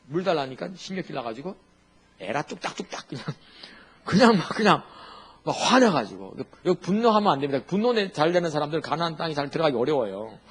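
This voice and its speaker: Animated husky male pastor preaching. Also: fairly high pitch. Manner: animated, humorous, full of rhetorical questions. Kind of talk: sermon.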